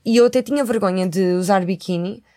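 A woman's voice: medium pitch, fast, mellow, no room sound, clean studio sound. A young Portuguese woman co-hosting a podcast in casual chat, talkative and laughing as she acts out what people said. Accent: European Portuguese. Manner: chatty, laughs, acts out quoted speech. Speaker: podcast co-host.

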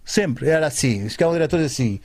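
Male guest from Alentejo, mid pitch, rambling animated storyteller, dry close mic. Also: fast talker, no room sound. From Alentejo, Portugal. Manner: rambling, animated, many restarts and fillers. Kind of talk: casual chat, storytelling.

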